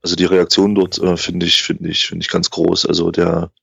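Gravelly low man, dry dull sound. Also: monotone, fairly bright tone, no echo. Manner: thoughtful, halting with repeated words. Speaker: podcast co-host. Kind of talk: casual fan podcast chat.

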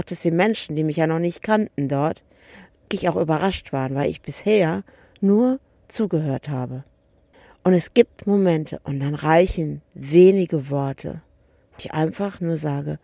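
A middle-aged woman tells a story in an earnest, searching way, often repeating her questions. Her voice sits on the low side with a warm, mellow tone. The recording is close and dry. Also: dry recording. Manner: earnest, asks repeated questions, acts out dialogue. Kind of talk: reflective personal storytelling.

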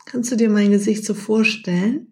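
A woman hosts an advice podcast in a mellow, warm voice. She coaches the listener directly and drops into brief acted example lines. Her pitch sits in an ordinary middle range. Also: steady tone, moderate pace, gravelly. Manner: acts out short example phrases. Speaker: podcast host.

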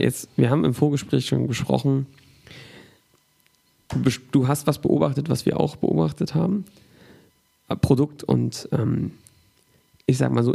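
A man's voice: medium pitch, vocal fry, mellow, husky. A man hosting a business podcast who sums up points and agrees often, using a lot of filler sounds. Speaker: podcast host. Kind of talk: conversational interview.

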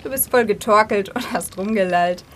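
A woman voicing a defiant tourist who mocks the others with a lively, teasing way of speaking. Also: medium pitch, moderate pace, slight background noise, lightly acted. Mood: mocking. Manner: mocking, lively.

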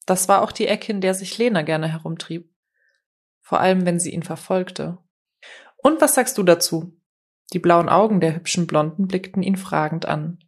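Woman reading an audiobook, steady and measured, voice a touch on the low side. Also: husky. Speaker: audiobook narrator. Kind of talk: scripted narration.

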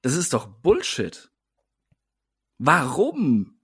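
A man's voice: a little high, wildly swooping pitch, very slow, breathy edge. A man co-hosting a casual wrestling podcast, ranting in an exasperated way. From Germany, Siegerland. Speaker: podcast co-host.

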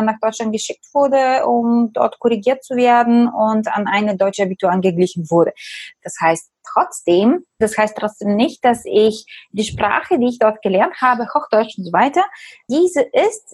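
A woman's voice: on the high side, husky, no echo. A young woman from Bulgaria, whose first language is Bulgarian, answering interview questions thoughtfully and often repeating phrases as she searches for words. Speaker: interview guest. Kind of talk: conversational interview.

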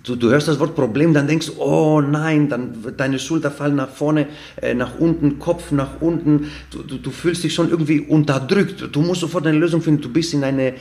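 A podcast guest who isn't a native speaker, and isn't German by first language, explains things earnestly and casually with everyday examples, stumbling through fillers and restarts. His slightly high, slightly mellow voice runs a little fast with hardly any pauses.

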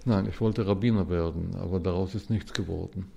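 A man in his seventies with a low, gravelly voice and a dark, mellow tone. He is from Israel and explains things in a measured way as a guest in an interview, with faint music behind him. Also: fairly even intonation, highs cut off, slight background noise. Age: 70s. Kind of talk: casual interview talk.

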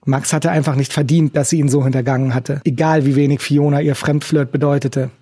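Husky male audiobook narrator. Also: on the high side, fairly even intonation, a little fast, mellow, no echo.

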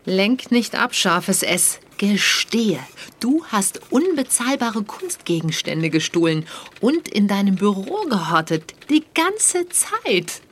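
A woman's voice: mid-range voice, big pitch swings, takes it slowly, slight background noise. A woman playing a power-hungry female agent leader in a comedic audio drama, commanding and accusatory.

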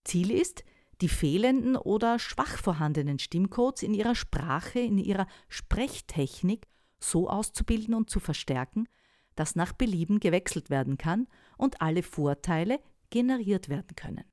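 A woman voice coach giving calm, scripted instructional advice, often asking rhetorical questions. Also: medium pitch, moderate pace, no echo, studio quality. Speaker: voice and sales-speech coach.

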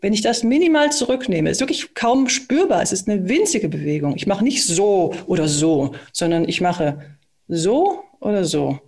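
A speaking and voice coach calmly explaining and demonstrating exercises in a conversation, with small hesitations. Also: mid-range voice, moderate pace, few pauses.

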